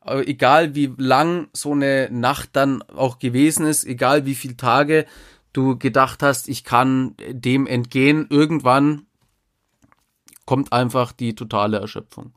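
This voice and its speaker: Guy thinking back on rough times, lots of pauses and restarts, reflective. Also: medium pitch, fairly even intonation, fairly bright tone. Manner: halting, with many fillers and restarts, reflective. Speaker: former drug user sharing experience. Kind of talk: casual reflective conversation.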